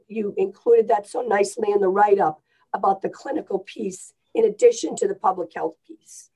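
A woman, a primary care clinician speaking earnestly at a committee meeting over a video call, her voice hoarse and sometimes dropping to a whisper. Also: medium pitch, a little mellow, low-quality recording. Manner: earnest, restarts phrases, sometimes drops to a whisper. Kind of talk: remote committee meeting remarks. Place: home office with bookshelves. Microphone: laptop video call.

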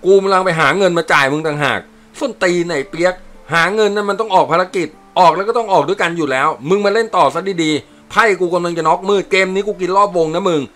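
A man voicing a brash, quarrelsome male soldier who talks loud and coarse. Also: sits high, quick pace, few pauses, soft background music, voice pushed up. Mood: bickering.

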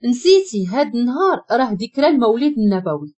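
A woman's voice: fairly high pitch, big pitch swings, quick pace, darkish tone, husky. A woman voicing a chiding Moroccan mother. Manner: chiding, coaxing. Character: fussy mother scolding her grown daughter.

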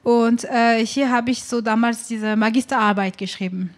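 A woman's voice: on the high side, fairly even intonation, normal speed. A woman in her forties from France with a French accent, speaking German as a guest and hesitating with many fillers into a handheld mic. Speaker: singer-songwriter guest. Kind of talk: casual interview chat. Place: small club stage with brick wall. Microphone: handheld microphone.

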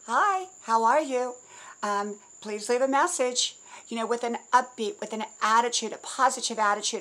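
A woman's voice: fairly high pitch, bright, forceful tone, low-quality recording. An older woman hosting a casual motivational talk, folksy and emphatic, listing points in repeated phrases. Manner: folksy, repetitive, emphatic lists. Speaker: host.

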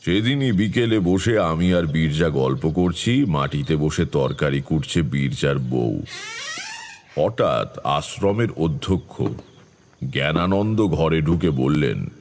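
An actor playing a grave tantric storyteller, narrating a horror tale in a measured, ominous way. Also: male voice, very deep voice, expressive, darkish tone, a little hiss or hum, heavily acted. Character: grave, foreboding tantric storyteller recalling eerie past. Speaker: first-person narrator. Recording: music behind the voice.

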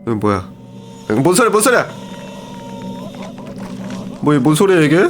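Excitable young man voicing game play. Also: fairly high pitch, moderate pace, faint music behind. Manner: excitable, shouting and laughing at the game. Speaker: gaming streamer. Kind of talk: game commentary.

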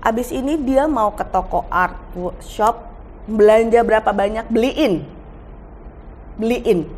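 Middle-aged woman, animated storyteller, slips into voices for family dialogue, faint background noise. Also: on the high side, a little slow. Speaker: guest actress. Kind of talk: casual talk show chat.

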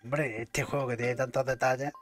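Over background music, a man with a medium-pitched, steady voice commentates a game at a normal pace. He chats casually to himself and swears now and then.

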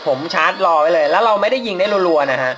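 A man's voice: a little high, lively intonation, fast, music in the background. A man casually commentating as he plays a mobile game, polite and chatty, laughing at his own mistakes. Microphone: phone mic while playing on a phone.

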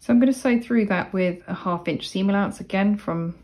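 A woman explaining sewing steps in a casual, chatty tutorial voice-over, with relaxed asides. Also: mid-range voice, fairly quick. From Cornwall, England. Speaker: sewing instructor. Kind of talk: casual step-by-step tutorial narration.

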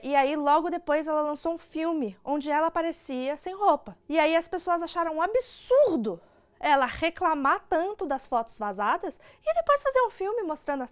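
High-pitched Brazilian woman, informal presenter. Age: young adult. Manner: informal, opinionated. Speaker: host of an online news show. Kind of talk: casual news commentary to camera. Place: indoor studio.

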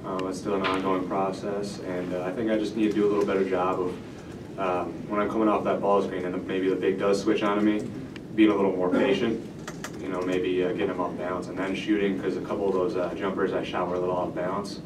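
A young man, a college point guard at a post-game press conference, talking in a halting, self-critical way. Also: deep voice, little pitch movement. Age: young adult. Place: indoor press room. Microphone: table microphone. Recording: roomy, distant, noisy press room.

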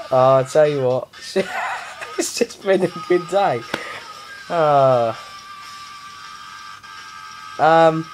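A young man with an animated, rambling manner, improvising a casual vlog from his bed. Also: on the high side, low-quality recording. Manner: rambling, animated, with many ums and laughs. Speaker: vlogger. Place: bedroom.

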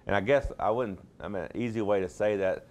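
A man's voice: lowish voice, a little fast, darkish tone. A middle-aged man, a pastor, talking in a plain-spoken, rambling, folksy way in a TV studio interview on a lapel mic. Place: TV studio set.

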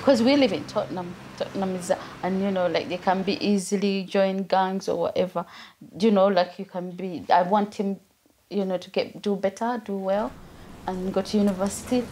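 A woman's voice: mid-range voice, steady tone, normal speed, mellow. A woman from Uganda talks earnestly about her children, with a slight hiss of noise in the background. She often slips in "you know, like" between her points. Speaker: parent. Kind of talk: documentary interview.

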